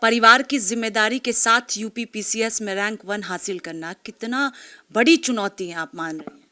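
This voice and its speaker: A woman's voice: mid-range voice, moderate pace, sharp tone, faint music behind. A woman TV news reporter asking an interviewee formal, long-framed questions.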